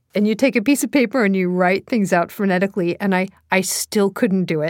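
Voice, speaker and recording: On a very clean recording with a silent background, a woman with a New Jersey accent speaks with ordinary pitch variation. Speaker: author and health journalist. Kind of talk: interview reflection on recording audiobook.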